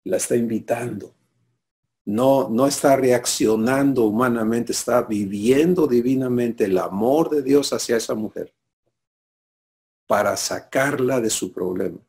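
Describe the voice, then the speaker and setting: A man's voice: mid-range voice, a little mellow. A man preaching a sermon, teaching and often asking listeners for assent. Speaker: pastor.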